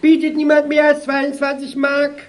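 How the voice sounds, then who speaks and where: An actress playing a formal female auctioneer in an audio drama, calling out lots and bids in a measured, drawn-out way. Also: high voice, monotone, darkish tone, lightly acted. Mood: businesslike calling. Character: brisk, formal female auctioneer running an estate sale.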